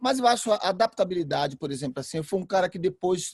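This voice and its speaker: The recording has a dry, close sound with no echo. It is a man's voice. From Bahia, Brazil. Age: 50s. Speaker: actor, comedian, voice actor. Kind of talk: interview answer. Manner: reflective, hesitant.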